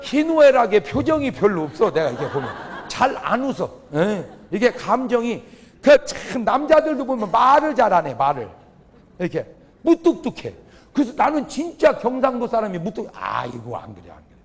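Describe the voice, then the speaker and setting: A man's voice: very high-pitched, very animated, normal speed. A male pastor giving a humorous revival sermon, firing questions at the congregation and exclaiming. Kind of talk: revival sermon with audience call-and-response. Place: church or large auditorium before a congregation.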